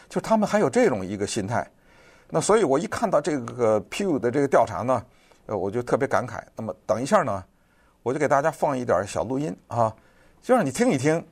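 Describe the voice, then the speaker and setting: Male commentator, conversational and digressive, lively swooping intonation, filler-heavy delivery. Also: mid-range voice, husky. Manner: chatty, digressive, lots of fillers. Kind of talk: casual online commentary.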